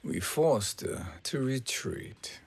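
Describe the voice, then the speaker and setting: A man's voice: medium pitch, animated, takes it slowly. An actor playing a sinister male schemer in a game cutscene, speaking in a sly, menacing way. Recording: game cutscene with loud noise.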